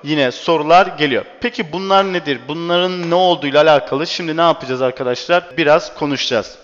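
A man's voice: a little high, fairly quick, fairly bright tone. A male teacher giving an exam-prep lecture, repeatedly asking rhetorical questions and answering them himself. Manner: quizzing with rhetorical questions, repetitive. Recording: dull echoey classroom recording.

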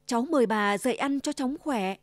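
A woman voicing a sweet, kind little girl in a red hood in a storybook reading, high and polite. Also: animated, moderate pace, dry recording. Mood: innocent.

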